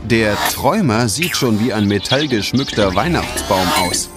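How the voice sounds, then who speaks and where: A man's voice: lowish voice, expressive, normal speed, music in the background. A man narrating a scripted children's story in a dramatic storytelling manner.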